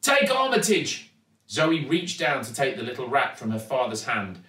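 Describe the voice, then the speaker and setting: A British man reading a children's story aloud in a dramatic, deliberate way. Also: medium pitch, sharp tone. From United Kingdom. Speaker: actor reading a children's book. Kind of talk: expressive storybook narration. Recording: echoey room, distant mic.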